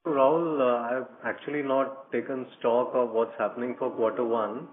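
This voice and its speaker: A male executive talks over a narrow, faintly noisy phone line. His delivery is flat, with little melody, as he gives careful explanations to analysts. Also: mid-range voice, moderate pace. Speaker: company executive. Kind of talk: answering analyst questions on an earnings conference call.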